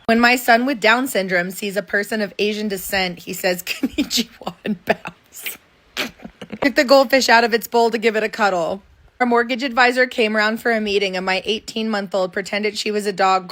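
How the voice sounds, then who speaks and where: A woman's voice: medium pitch, moderate pace, a bit bright. A young woman reading viewer comments aloud and reacting to them, often laughing as she goes. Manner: amused, often breaking into laughter.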